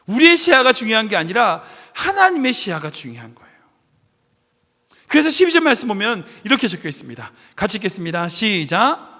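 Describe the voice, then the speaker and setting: A man's voice: high-pitched, big pitch swings, a little fast, sharp tone, in a large hall. A man preaching a sermon as pastor, telling a story and asking the congregation questions.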